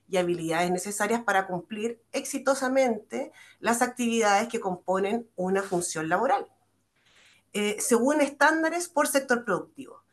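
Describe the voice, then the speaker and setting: A woman's lively, up-and-down intonation at a fairly slow pace. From Chile. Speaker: public agency official in vocational certification. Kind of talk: webinar presentation; answering audience questions. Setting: video call. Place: office. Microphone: video call.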